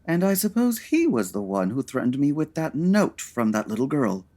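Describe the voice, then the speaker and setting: An actor playing a fussy, haughty, theatrical 1940s gay man in a comedy audio drama, pompous and husky. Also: a little high, very animated, moderate pace, darkish tone. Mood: haughty, put out.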